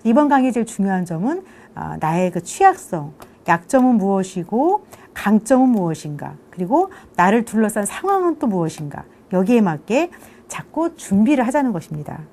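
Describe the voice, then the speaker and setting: A woman's voice: medium pitch, very animated, moderate pace, mellow. A middle-aged woman giving an online university lecture in a chatty way, often checking for agreement and answering her own questions. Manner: conversational, keeps asking "그죠?" for agreement; rhetorical questions, answers them herself.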